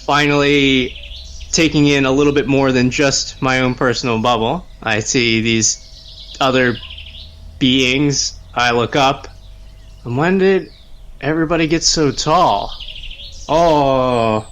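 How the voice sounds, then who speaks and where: Slow, halting man improvising game narration. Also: mid-range voice, steady tone, fairly bright tone, a little hiss or hum. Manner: halting, bemused. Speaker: player in a tabletop roleplaying podcast. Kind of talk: improvised first-person roleplay narration.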